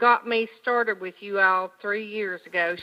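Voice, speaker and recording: A woman with a Southern US accent speaks in a fairly high pitch with a bright, sharp tone. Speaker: caller. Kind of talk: phone call chat.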